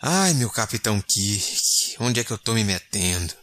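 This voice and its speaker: A man's voice: fairly low pitch, very animated, normal speed, a bit bright. A man playing a nervous, skeptical space explorer captain in an audio drama, grumbling and stammering when alarmed.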